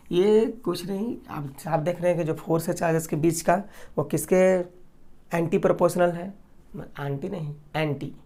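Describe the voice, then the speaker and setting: A man teaching a physics lesson. He keeps asking rhetorical questions and answering them himself, and he drags words out slowly while he writes. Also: fairly high pitch, a little mellow. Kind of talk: classroom lecture.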